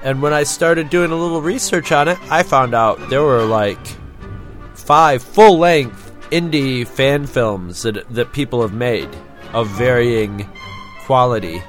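Rambling male podcast co-host, faint music behind. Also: mid-range voice. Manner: rambling, halting. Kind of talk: casual chat.

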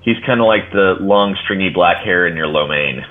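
Deep-voiced man on a phone-like line. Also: moderate pace. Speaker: podcast co-host. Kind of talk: casual chat.

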